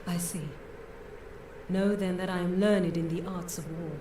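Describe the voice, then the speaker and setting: Lowish, echoing, stately warrior woman by an actress. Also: steady tone, measured pace, natural voice. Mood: proud, earnest. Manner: formal, stately. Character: proud, courteous female warrior offering her service. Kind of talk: fantasy video game voice acting. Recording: roomy distant game audio with noise.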